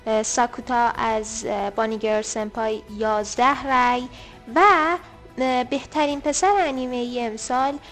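High-voiced woman reading out poll results. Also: little pitch movement, faint music behind. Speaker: podcast co-host.

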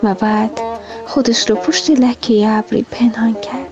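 A woman reading a children's story aloud, calm and soft, as storyteller on a radio program. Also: on the high side. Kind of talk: scripted narration. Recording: dull lo-fi radio sound with soft music.

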